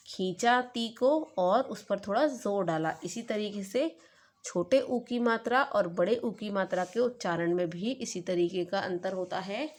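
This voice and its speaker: A woman teaching a kindergarten class online, speaking to young children and drawing out sounds to show how they are said. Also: medium pitch. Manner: slow, stretched-out demonstration of vowel sounds.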